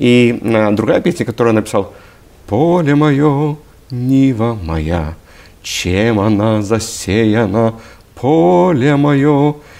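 Speaking very slowly with long, frequent pauses, a man with a medium-pitched, dark, mellow voice keeps a very even loudness and a lively intonation. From Ukraine, Mykolaiv. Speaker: churchgoer sharing prayer testimony. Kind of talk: testimony.

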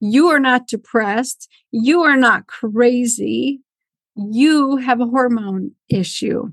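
At a very slow pace, a woman talks in a high pitch with very even loudness. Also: ordinary pitch variation, dry, close sound with no echo. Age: 40s. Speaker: gynecologist and podcast host. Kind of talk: personal monologue.

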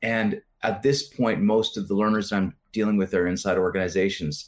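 A man uses an ordinary speaking voice at a moderate pace with ordinary pitch variation, on a very clean recording with a silent background. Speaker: educator and author. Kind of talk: interview conversation.

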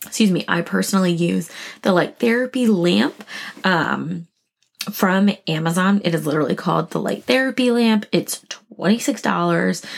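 An ordinary speaking voice with lively intonation at a moderate pace. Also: woman, fairly low pitch for a woman. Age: 30s. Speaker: podcast host and life coach. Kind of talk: casual solo podcast talk.

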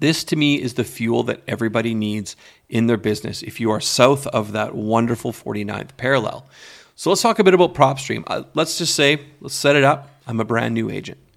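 A man with a Canadian accent, vocal fry, ordinary pitch variation and a fairly quick pace. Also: medium pitch for a man. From Canada. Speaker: podcast host and real estate coach. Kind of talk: casual chat, lively banter. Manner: animated, excitable, fast; loud, expressive.

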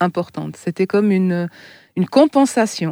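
A woman speaks at a moderate pace with a medium pitch, ordinary pitch variation and a dark, mellow tone. The sound is dry and close with no echo, on a very clean recording with a silent background. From Switzerland, Bern (French-speaking). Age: 40s. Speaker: visually impaired athlete. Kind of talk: personal testimony interview. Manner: hesitant, with repetitions.

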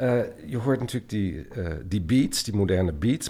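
A man's fairly low voice with vocal fry is heard on a very clean recording with a silent background. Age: 50s. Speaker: podcast host. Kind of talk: interview.

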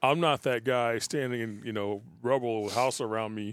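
In an ordinary speaking voice with fairly even intonation, the speaker is heard on a very clean recording with a silent background and a dry, close sound with no echo. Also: man. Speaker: podcast co-host with trucking knowledge. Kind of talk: casual chat. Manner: playful, jokey.

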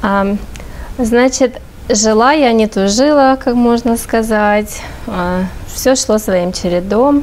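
A woman's fairly high pitch with ordinary pitch variation, a very slow pace, long, frequent pauses and noticeable background noise. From Russian Far East, Vladivostok. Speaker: guest sharing faith testimony. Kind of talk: testimony.

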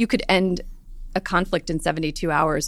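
A woman with a fairly low voice and ordinary pitch variation, recorded very cleanly against a silent background. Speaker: podcast host. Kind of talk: interview conversation. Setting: studio.

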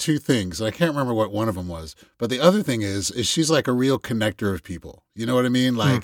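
A man's animated, warm tone at a medium pitch, with lively intonation, a fairly quick pace, and a dry, close sound with no echo. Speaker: podcast host. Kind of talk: casual chat.

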